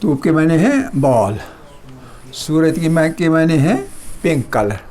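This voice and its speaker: A middle-aged man teaching a Persian lesson, repeating words slowly and explaining them in a mix of Hindustani and English. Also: a little high, big pitch swings, darkish tone. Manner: slow, drawn-out repetition of words. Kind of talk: slow classroom lesson.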